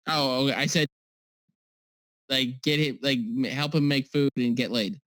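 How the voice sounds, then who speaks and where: A man's voice: mid-range voice, fairly even intonation, a little slow, a bit bright, no echo. A man co-hosting a casual podcast over a call, rambling and joking, often restarting and apologizing. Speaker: podcast co-host.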